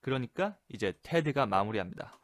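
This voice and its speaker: A man teaching English expressions in a relaxed explanatory lesson, repeating phrases slowly for practice. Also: mid-range voice, dry recording, studio quality. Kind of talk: Korean-language English lesson explaining sitcom lines.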